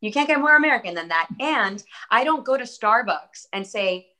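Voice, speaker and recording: A bright, clear-toned woman in her early thirties chats as an interview guest, upbeat and earnest. Spanish is her first language though she grew up in the US. She hedges with "um" and "I think" while staying hopeful. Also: on the high side, expressive, moderate pace. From born in Atlanta, Georgia, US. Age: early 30s. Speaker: actress, guest. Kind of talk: casual interview conversation.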